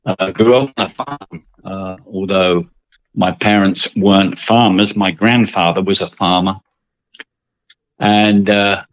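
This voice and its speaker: Older english guy, kinda low voice, dull dry audio, rambles with lots of ums. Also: fairly bright tone, dry recording. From England. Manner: rambling, repeats words, many fillers. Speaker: guest. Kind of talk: casual interview.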